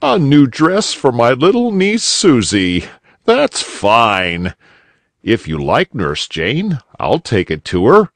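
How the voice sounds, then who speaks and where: A man's voice: mid-range voice, huge pitch swings, slow pace, a bit bright, no echo, pitched above the performer's own voice, exaggerated voice. Uncle Wiggily, a man doing a jolly old rabbit. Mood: cheerful. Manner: jolly, kindly storybook voice. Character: elderly gentle male rabbit gentleman, jolly.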